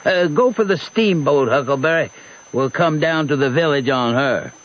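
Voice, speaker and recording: An actor playing a pompous, sly American rascal posing as royalty in an old radio drama, hemming sanctimoniously. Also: male voice, a little high, lightly acted. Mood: grandly scheming. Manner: hemming, slow, theatrically sanctimonious. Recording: dull, faintly noisy old radio recording.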